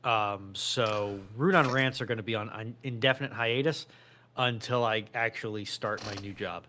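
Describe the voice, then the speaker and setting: A man's voice: lowish voice, fairly even intonation, normal speed, pushed and bright, slight background noise. An American man chatting casually as a panelist, with a matter-of-fact, slightly grumbling way of talking. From United States. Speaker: panelist on a live show. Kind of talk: casual chat.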